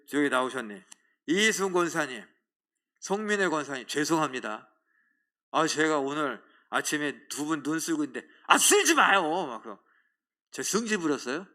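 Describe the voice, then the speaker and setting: A middle-aged man preaching a sermon as pastor, lively and animated, acting out the voices of churchgoers in a church sanctuary. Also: a little high.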